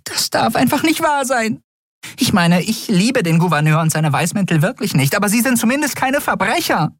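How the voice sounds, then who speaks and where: Male narrator as a small winged female creature: very high, frantic, shrill, storybook style. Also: lively intonation, normal speed, dry recording, studio quality. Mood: panicked. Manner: panicky, shrill outbursts.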